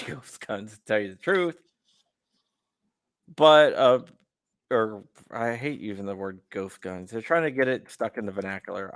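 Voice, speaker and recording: A man hosting a casual call-in interview, relaxed and halting, often stammering and restarting. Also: lowish voice, no echo. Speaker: host.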